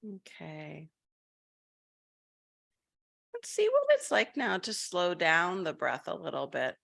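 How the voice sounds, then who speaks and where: Low, bright-toned woman guiding a meditation. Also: huge pitch swings, slow, vocal fry. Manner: gentle, meandering, with many fillers and restarts. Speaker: meditation guide. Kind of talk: guided meditation over a group video call. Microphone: video call.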